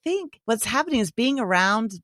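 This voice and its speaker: A woman from Texas hosting a casual interview, animated and laughing, her pitch jumping up when she acts out what people say. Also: moderate pace, no room sound, studio quality. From Texas, USA. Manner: animated, laughing, swoops up in pitch for quoted asides. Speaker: podcast host.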